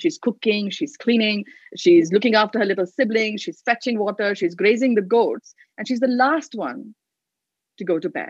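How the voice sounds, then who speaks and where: The woman's somewhat breathy voice has a dry, close sound with no echo. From India, Delhi. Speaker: nonprofit founder. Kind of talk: interview conversation.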